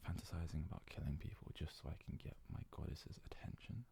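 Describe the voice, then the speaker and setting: A man playing a devoted, self-loathing yandere fox-boy servant in an intimate ASMR roleplay, hesitant and deferential, with a soft, breathy, gravelly delivery. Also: very deep voice, fast, a little hiss or hum, exaggerated voice. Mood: ashamed.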